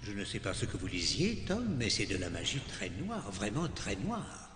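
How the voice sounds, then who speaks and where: A man's voice: on the low side, wildly swooping pitch, normal speed. A man playing a genial but uneasy older wizard schoolmaster in a dubbed fantasy film, avuncular and theatrical. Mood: uneasy, grave. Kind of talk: dramatic film dubbing. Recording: echoey hall, film music behind.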